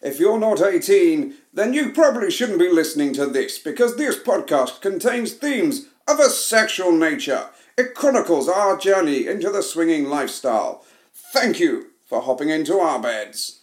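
A man reading a scripted podcast intro in a lively, announcer-like way. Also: fairly high pitch, moderate pace, roomy sound.

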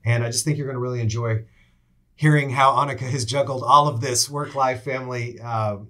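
A man's voice: medium pitch, fairly even intonation, fairly quick, pushed and bright. A middle-aged man, an assistant dean, hosting and introducing a guest on a university interview podcast, speaking enthusiastically with frequent fillers.

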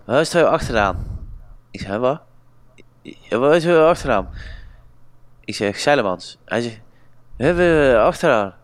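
A man's voice: medium pitch, lively intonation, measured pace, long pauses, no room sound. A young man with a Brabant accent, co-hosting a casual podcast and telling rambling anecdotes. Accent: Brabant Dutch. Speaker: podcast co-host. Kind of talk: casual podcast chat, storytelling.

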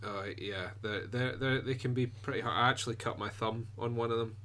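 A man co-hosting a hobby podcast, chatting casually and quietly with frequent restarts and fillers. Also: medium pitch, steady tone, slight background noise. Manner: soft-spoken, halting, full of restarts. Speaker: podcast co-host and miniature painter. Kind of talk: casual chat.

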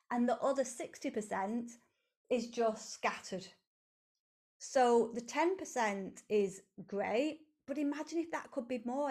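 A woman hosting a podcast, giving a slow, earnest and repetitive motivational talk. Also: mid-range voice, a little mellow. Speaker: podcast host, coach. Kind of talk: reflective solo motivational talk.

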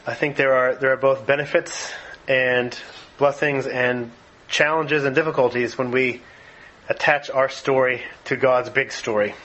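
A man's voice: mid-range voice, steady tone, a little slow, fairly bright tone, muffled recording. Man, lecturer, thoughtful, hesitant, fillers and restarts, lecture room. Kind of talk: lecture with a read-aloud passage.

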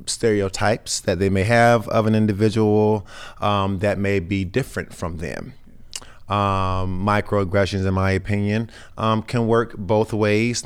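A young man with a very deep, resonant voice, roughened into raspiness by a sinus infection. He talks earnestly as an interview guest, choosing his words with care. He leans on fillers and restarts. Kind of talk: casual conversational interview.

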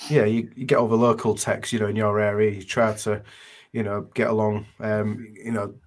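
A man's voice: on the low side, flat delivery, moderate pace. A man with a British accent chatting casually as a podcast guest. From United Kingdom. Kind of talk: casual chat.

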